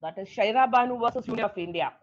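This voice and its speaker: A woman giving a law lecture, explaining terms step by step and repeating key words, switching between slow, careful English and quicker speech. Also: on the high side, dull audio.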